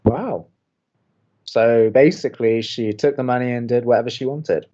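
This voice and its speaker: A man's voice: mid-range voice, normal speed, dark tone, lo-fi sound, natural voice. A man playing a wry, sceptical young college radio co-host in an audio comedy, with a dry, teasing delivery. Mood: curious, supportive. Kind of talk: audio drama romantic comedy dialogue.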